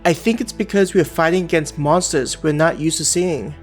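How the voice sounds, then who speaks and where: A man's voice: on the high side, moderate pace, close to an everyday voice. A man doing a level young dagger fighter. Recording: music playing underneath.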